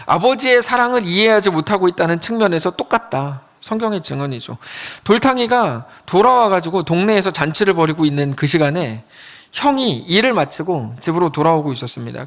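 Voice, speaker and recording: A man preaching a sermon as a pastor, telling the story with lively storytelling and acting out the quoted lines in a lower voice.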